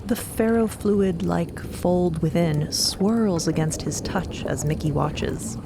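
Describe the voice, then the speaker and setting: A woman's voice: on the low side, slow, noisy background. A woman narrating an audio drama in a scripted storytelling style.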